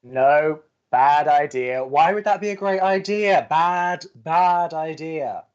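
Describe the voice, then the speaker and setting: An actor playing an earnest, flustered young campus radio co-host who talks with fretful, exasperated emphasis. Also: male voice, fairly high pitch, slow pace, smooth, muffled recording. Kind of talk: bantering audio drama dialogue.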